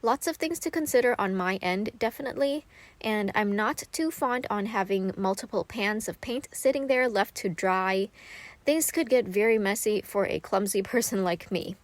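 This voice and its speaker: A Thai woman whose first language is Thai narrates a voiceover for a craft video on her art channel, chatty and upbeat with a touch of self-deprecating humor. Her voice is mid-range, at normal speed, with no echo.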